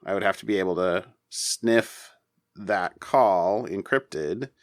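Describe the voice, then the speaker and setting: A man co-hosting a casual tech news discussion, talking in a halting way as he thinks aloud. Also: low voice, no echo, studio quality. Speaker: podcast co-host.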